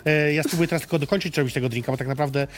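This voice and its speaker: A man's voice: on the high side, rapid-fire, a little hiss or hum. A man hosting a casual chat over drinks, playful and joking, swearing casually. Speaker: host.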